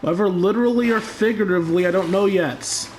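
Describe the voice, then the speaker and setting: A man's voice: sits high, fast talker, darkish tone, soft background music. A young man talking through his gameplay, chatty and self-mocking, swearing when frustrated. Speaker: gamer. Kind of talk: let's-play commentary.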